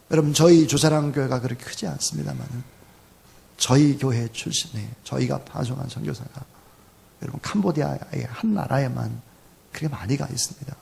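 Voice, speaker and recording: A middle-aged man preaching a sermon as pastor, dropping to soft asides and rising to loud emphatic lines. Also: on the high side, creaky.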